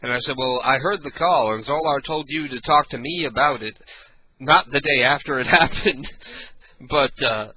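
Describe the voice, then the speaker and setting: An older man with a raspy, booming voice and clogged sinuses hosts a casual, profane late-night radio talk show. He rambles through stories and keeps clearing his throat. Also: moderate pace, highs cut off.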